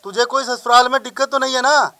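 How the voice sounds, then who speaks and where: A man's voice: very high-pitched, steady tone, fast talker, pushed and bright, exaggerated voice. A man playing a fussy old father who questions his son over the phone in a comedy skit. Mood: worried.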